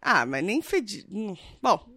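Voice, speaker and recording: A woman's voice: mid-range voice, sing-song, measured pace, fairly bright tone, slightly rough, no room sound, studio quality. A Brazilian woman co-hosting a casual podcast chat, blunt and crude, always joking. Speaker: podcast co-host.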